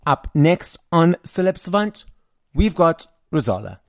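A man's voice: a little high, very animated, a little slow, vocal fry. A man hosting an entertainment interview show, reading a scripted intro and asking questions in an upbeat presenter manner. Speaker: interview host.

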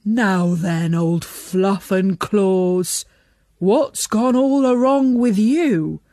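A woman voicing an old runaway donkey in a children's story, eager to be a musician, with a hearty, drawn-out delivery. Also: medium pitch, dark tone, dry recording, studio quality. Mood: jovial, probing.

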